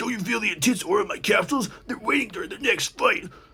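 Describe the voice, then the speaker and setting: In a put-on character voice, a man rattles along at a very fast pace, raspy and high-pitched, with lively intonation. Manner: boastful, exaggerated.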